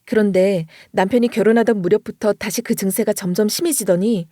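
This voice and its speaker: A woman narrating a dramatic first-person story in an expressive storytelling voice. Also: mid-range voice, brisk, no echo, clean studio sound.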